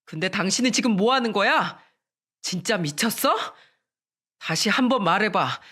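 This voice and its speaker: A reader voicing a furious husband who shouts accusations at his wife in a storybook radio drama. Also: high voice, animated, moderate pace.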